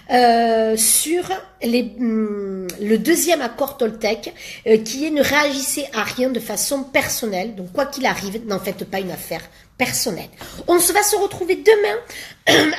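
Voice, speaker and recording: A woman life coach speaks straight to her viewers in a casual motivational talk. Her voice sits a little high, and she chats along with plenty of fillers, sometimes acting out small made-up exchanges. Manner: chatty, many fillers, acts out little quoted exchanges.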